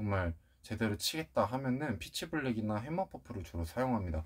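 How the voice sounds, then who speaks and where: A man's voice sits fairly low and sounds somewhat breathy. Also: quiet background. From South Korea, Seoul. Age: 20s. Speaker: bowler and YouTuber; YouTuber. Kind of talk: Q&A vlog. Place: home room.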